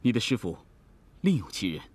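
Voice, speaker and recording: A martial-arts master in a costume drama, patient and a little put-upon. His mid-to-low male voice moves in lively pitch, with music underneath. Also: brisk, breathy edge. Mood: calm. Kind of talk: costume television drama acting.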